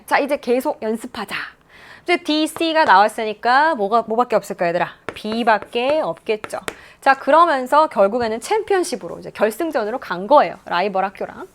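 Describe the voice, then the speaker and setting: A woman English teacher walks students through an exam passage, reading English lines slowly before explaining them. Her fairly high voice swoops up and down with animated expression. She sounds like she is lecturing in a studio. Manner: lively, reads English lines slowly then explains in Korean.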